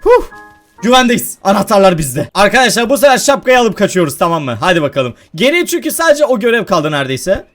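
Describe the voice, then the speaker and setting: A young man giving excitable let's-play commentary, often laughing and shouting as he plays, with faint game music behind. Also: high voice, fast talker. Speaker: gaming YouTuber.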